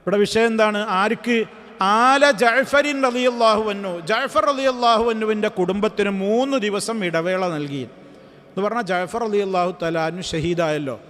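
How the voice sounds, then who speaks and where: A man's voice: sits high, normal speed, a bit bright, in a large hall. A man giving an Islamic study-class lecture in a teacherly way, posing rhetorical questions and repeating key words. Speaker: religious teacher.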